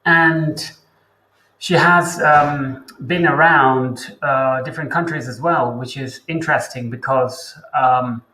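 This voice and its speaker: A man's voice: medium pitch, steady tone, sharp tone, a little hiss or hum. Chatty man host in a roomy space. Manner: chatty, thinks aloud with pauses. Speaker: English teacher and host. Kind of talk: casual interview chat.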